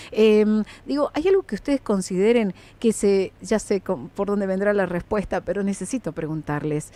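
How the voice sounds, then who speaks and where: A woman's voice: medium pitch, warm tone. A woman hosting a casual online video chat, chatty and hesitant, with many fillers. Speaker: host.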